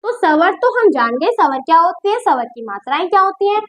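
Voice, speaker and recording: A woman with a very high, lively voice gives a grammar lesson. She is patient and repeats each point, and she keeps checking that her students follow along. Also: brisk. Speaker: Hindi grammar teacher. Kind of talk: classroom-style lesson explaining at a board.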